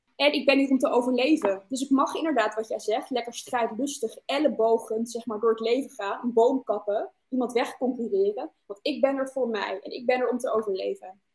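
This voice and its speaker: A woman's high-pitched voice with ordinary pitch variation and hardly any pauses. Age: 20s. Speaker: founder of a sustainability initiative. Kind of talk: casual interview.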